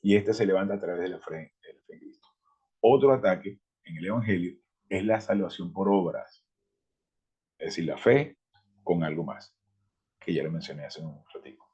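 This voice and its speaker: A man's voice: sits low, normal speed, long pauses, dark tone, husky. A man teaching a Bible study, emphatic as he reads scripture aloud and explains it.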